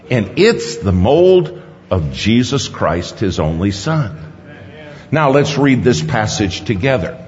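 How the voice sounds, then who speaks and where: A man preaching a sermon in a large conference hall, emphatic, dropping to hushed low lines and rising to sudden high stresses, in a dull recording with long hall reverb. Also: a little hiss or hum.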